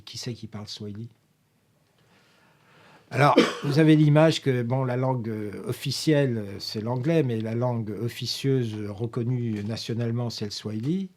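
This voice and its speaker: Husky older French man reminiscing. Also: fairly low pitch, darkish tone. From France. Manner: rambling, with many hesitations and self-corrections. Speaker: interviewee, professor emeritus. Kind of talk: filmed interview, anecdotal recollection.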